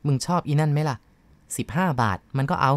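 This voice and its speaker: A woman voicing a rough-talking, streetwise young man with a blunt, coarse manner. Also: deep voice, brisk, no echo, natural voice. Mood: sly.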